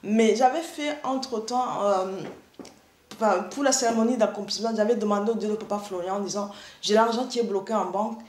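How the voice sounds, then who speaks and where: A middle-aged woman from Rwanda giving an earnest spoken church testimony over a video call, halting and restarting often. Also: medium pitch, a little mellow, echoey room. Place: indoor room, seated in armchair.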